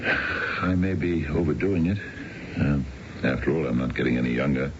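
An American actor playing a self-indulgent middle-aged husband in a radio drama, with a gravelly voice. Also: male voice, rumbling low, moderate pace. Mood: genial, weary. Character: aging husband smitten with a younger woman, self-indulgent. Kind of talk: 1970s radio drama acting. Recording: dull, noisy old radio recording.

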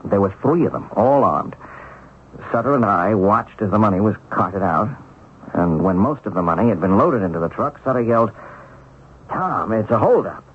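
Low-voiced, hesitant husband in radio drama. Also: male voice, lively intonation, husky. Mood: hesitant, recounting. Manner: hesitant, halting. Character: earnest ex-bank teller turned schoolteacher husband, hesitant, puzzled. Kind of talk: 1970s radio drama acting. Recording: dull, hissy 1970s radio broadcast.

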